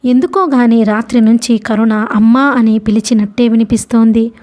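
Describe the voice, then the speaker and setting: A woman's voice: on the high side, steady tone, a little mellow, natural voice. A woman reading as a bitter grieving mother. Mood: bitter, hurt. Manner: hurried, half angry, half dejected.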